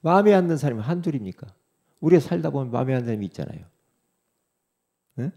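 A male pastor delivers an animated sermon with a heavily gravelly, husky voice. His tone is dark and low, and his pitch leaps around as he speaks God's reassurances straight to the listener, rising to loud exhortation and dropping to soft, near-whispered comfort. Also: very fast.

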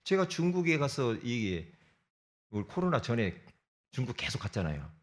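A middle-aged man preaching a sermon to his congregation. He swings between loud emphatic bursts and low asides. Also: very animated, normal speed. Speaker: pastor.

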